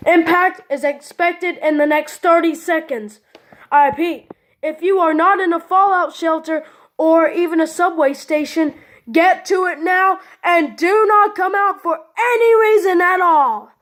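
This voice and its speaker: A woman playing an urgent, commanding nuclear attack warning announcer, loud, insistent and repetitive. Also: extremely high pitch, unhurried, pitched above the performer's own voice. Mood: urgent alarm.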